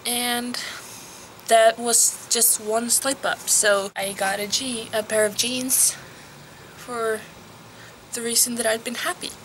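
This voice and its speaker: A teenage girl from Norway, giving casual advice in a vlog recorded outdoors. She talks softly and hesitantly, sometimes dropping to a whisper. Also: on the high side, steady tone, takes it slowly, pauses often, a little hiss or hum, poor audio. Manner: soft, hesitant, drops to a whisper at times. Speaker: vlogger.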